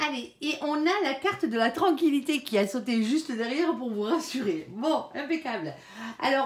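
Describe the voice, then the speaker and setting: A woman giving a casual tarot reading, talking chattily to her viewers and filling her speech with little interjections. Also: fairly high pitch. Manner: chatty, peppers speech with "hein" and "alors"; softly pleads with her guardian angel between cards. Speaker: tarot card reader. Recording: echoey room.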